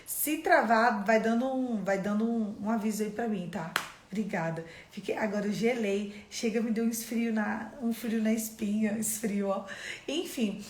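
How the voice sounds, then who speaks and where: A woman's voice: medium pitch, moderate pace, a little mellow, slight background noise. Echoey Brazilian woman teaching a devotional. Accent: Brazilian Portuguese. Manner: conversational, addresses viewers directly with questions. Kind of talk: live-streamed devotional teaching. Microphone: phone or computer on a live stream. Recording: echoey room.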